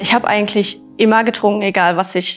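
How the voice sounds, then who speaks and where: This woman talks in a flat monotone at a medium pitch. The background is quiet. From Germany, Hagen (Ruhr area); Germany. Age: 20s. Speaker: recovering alcoholic, office clerk; interviewee. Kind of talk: interview testimony. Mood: reflective, candid, calm. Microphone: lapel.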